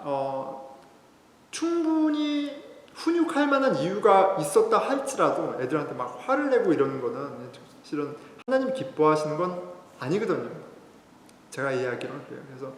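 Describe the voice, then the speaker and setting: A man's voice: fairly high pitch, slight background noise. Man preaching in an echoey hall. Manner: conversational, telling a personal story. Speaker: pastor. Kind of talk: sermon. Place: church sanctuary.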